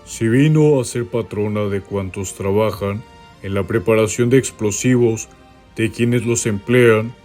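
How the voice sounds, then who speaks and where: A man with a Costa Rican accent reads a saint's life aloud in a steady, measured devotional manner. His voice is mellow and sits at a middle pitch. Soft music plays faintly behind him. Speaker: reader.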